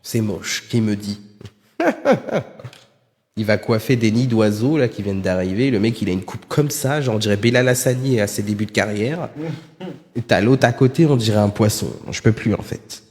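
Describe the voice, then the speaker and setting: A man streaming live, tossing out sarcastic, rambling remarks full of hesitations. His voice sits a little low, and it rings with a long reverb as if the room were large and bare. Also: moderate pace, darkish tone. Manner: sarcastic, rambling, many fillers. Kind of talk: live reaction commentary.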